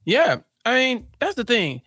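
A man's voice: very high voice, unhurried, husky, dry recording, clean studio sound. A man co-hosting a podcast, recapping a TV episode in casual chat and acting out the characters' lines. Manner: animated, acts out characters' lines. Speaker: podcast co-host.

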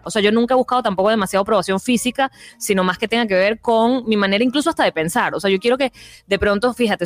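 A woman guest in casual podcast chat, frank and animated, who acts out the people she quotes. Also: medium pitch, no echo.

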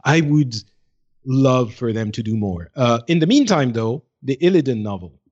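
A man co-hosting a casual gaming podcast, speaking in halting, hesitant phrases. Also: medium pitch, lively intonation, darkish tone. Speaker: podcast co-host. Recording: slightly dull, lo-fi voice track.

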